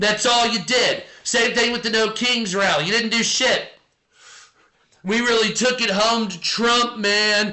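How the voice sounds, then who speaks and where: At a fairly slow pace, a man talks in an extremely high voice with monotone, flat intonation. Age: 40s. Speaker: livestreamer commenting on politics. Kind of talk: live stream chat reacting to viewers. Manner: casual, profane.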